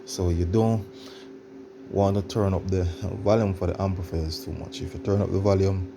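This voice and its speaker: Deep-voiced man giving an informal tutorial. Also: steady tone, normal speed, noisy background. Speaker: tutorial presenter. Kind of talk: informal how-to demonstration.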